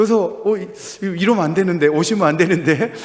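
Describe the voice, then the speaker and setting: A man's voice, with ordinary pitch variation, comes through noticeable background noise and audible room echo. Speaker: senior pastor. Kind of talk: sermon. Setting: church. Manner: animated.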